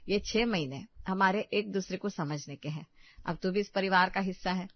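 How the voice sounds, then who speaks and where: A woman's voice: medium pitch, normal speed, no room sound, pitched below the performer's own voice, close to an everyday voice. A woman voicing a strict but sensible middle-aged mother-in-law who speaks firmly. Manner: firm, no-nonsense. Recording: dull, dry sound.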